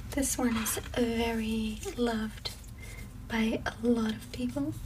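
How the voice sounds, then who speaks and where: A woman speaks very slowly in a calm tone. She is soft-spoken, with noticeable background noise behind her. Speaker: perfume content creator. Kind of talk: casual review chat. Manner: soft-spoken, calm ASMR voice. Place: home room.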